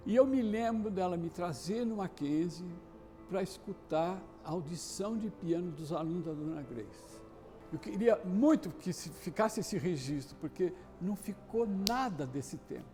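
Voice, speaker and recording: A man's voice: sits high, lively intonation, dark tone. Nostalgic man reminiscing over piano. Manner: nostalgic, unhurried, with many "né" tags. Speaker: interviewee sharing memories. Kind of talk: reminiscing testimony. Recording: piano music underneath.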